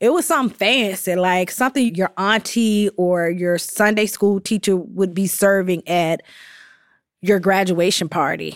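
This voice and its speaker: A woman with an American accent and an ordinary speaking voice talks at a fairly slow pace and medium pitch, with ordinary pitch variation and very even loudness, in a very clean recording with a silent background. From US South, Athens, Georgia. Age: 40s. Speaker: cookbook author and food editor. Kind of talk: interview.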